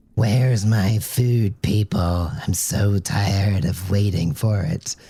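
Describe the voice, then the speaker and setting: This put-on character voice moves along at a fairly slow pace. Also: man, fairly low pitch for a man. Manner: impatient, grumpy.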